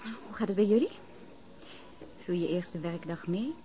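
Low, mellow-voiced female police officer. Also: animated, unhurried. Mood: tentative. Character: female police officer, familiar and gently teasing. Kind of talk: Dutch radio crime drama dialogue.

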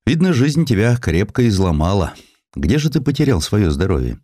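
A man's voice: lowish voice, big pitch swings, normal speed, mellow, no echo, clean studio sound, voice pushed up. A man voicing a curious, pitying tavern keeper with an inquisitive, familiar manner in an audio story.

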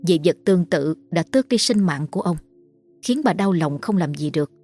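A woman with a low, husky voice narrates a scripted ghost story at a steady, measured pace. Faint music with a singing bowl sits underneath her reading.

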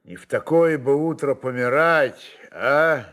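A man acting a brooding, slow-spoken Cossack ataman. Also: medium pitch, fairly bright tone. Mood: pensive. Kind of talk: dramatic literary reading.

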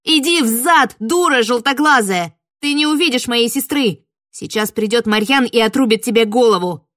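Casting: a defiant young heroine as a woman puts her on, loud and high. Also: normal speed, close to an everyday voice. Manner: defiant, shouting. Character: brave young woman Miroslava defending her sister.

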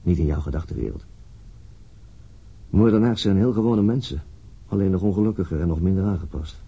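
An actor playing a brooding, dogged police detective in a radio drama, weary and musing in a halting, husky voice. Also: male voice, low-pitched, highs cut off. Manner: halting, musing, muttering to himself. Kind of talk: radio drama acting with introspective monologue.

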